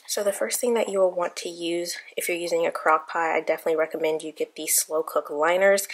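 A woman's voice: fairly low pitch, gravelly, husky. A young woman in her twenties chatting casually to viewers in her home kitchen, walking through a cooking routine step by step. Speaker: vlogger.

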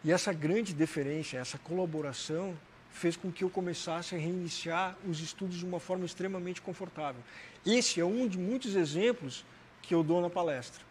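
Sitting as a TV interview guest indoors, a Santa Catarina man in his forties shares his personal story in a high voice at a moderate pace. He's a motivational speaker with a southern Brazilian accent who talks conversationally, leaning on "né" and "cara". His lapel mic carries a little hiss or hum.

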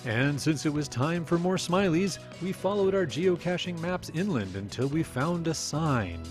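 A man's voice: a little high, expressive, a little slow, music in the background. A man in his forties hosting a geocaching travel vlog, talking in an upbeat, playful tour-guide way. He films himself outdoors with a camera held at arm's length. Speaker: geocaching vlogger host. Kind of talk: travel vlog with voice-over narration. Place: outdoors at seaside and trails. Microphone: handheld camera at arm's length.

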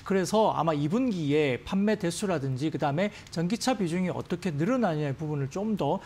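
Fast-talking male market analyst. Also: a little high, expressive, a little mellow, a little hiss or hum. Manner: rapid analytical talk with many fillers. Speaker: stock market analyst guest. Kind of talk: market commentary on TV finance show. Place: TV news studio.

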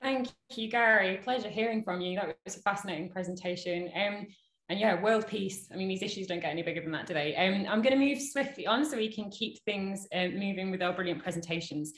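A woman hosts an online event and moves it along at a brisk, upbeat clip. She is heard over a video call. Her voice carries a roomy echo. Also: medium pitch. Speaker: host. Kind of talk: hosting a webinar.

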